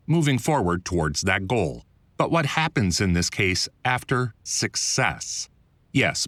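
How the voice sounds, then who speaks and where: This is scripted audiobook narration by a man reading his own nonfiction work, close on a studio voiceover mic. He is an author and voiceover producer, and his delivery is conversational, wry and articulate. His voice sits on the low side with a fairly bright tone, recorded dry.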